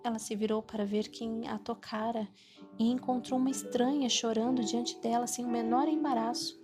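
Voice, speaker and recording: A woman with a Brazilian Portuguese accent reading a Christian devotional audiobook in an earnest, steady way. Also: on the high side, moderate pace. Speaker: audiobook narrator. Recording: reading over clear background music. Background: music.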